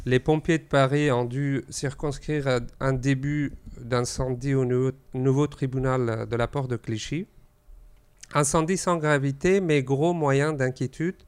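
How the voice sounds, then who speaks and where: A news segment presenter whose first language is Arabic reads a news item on a talk show, hesitating and using fillers. His mid-range voice is a little mellow, and the recording is clean.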